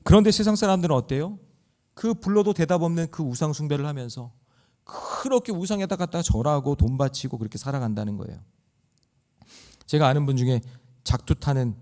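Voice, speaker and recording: A man's voice: mid-range voice, a little mellow. A man preaching a sermon in church, acting out scenes and exhorting the congregation. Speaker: pastor. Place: church sanctuary.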